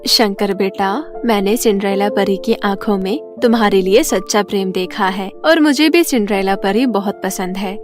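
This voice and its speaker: A woman voicing a caring, contented village mother in an animated storybook tale, affectionate in manner. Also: medium pitch, pitched below the performer's own voice, natural voice.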